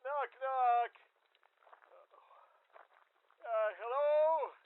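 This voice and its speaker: Halting, timid hulk over radio. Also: male voice, extremely high pitch, phone-quality sound, full character voice. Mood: shy. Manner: halting, hesitant. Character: hulking walking-boulder man, timid, hesitant, simple. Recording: thin, distant radio sound.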